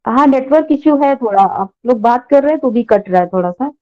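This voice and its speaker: A woman speaking as a guest over a phone line that keeps breaking up, talking slowly with frequent "uh" fillers. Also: a little high, expressive. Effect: phone line breaking up, audio cutting out. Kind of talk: explanatory talk.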